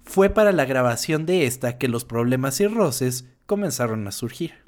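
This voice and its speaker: A man's voice: medium pitch, lively intonation, normal speed. Young Mexican guy hosting a podcast. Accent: Mexican Spanish. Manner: reads notes aloud, then banters. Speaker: podcast host. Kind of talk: casual podcast chat.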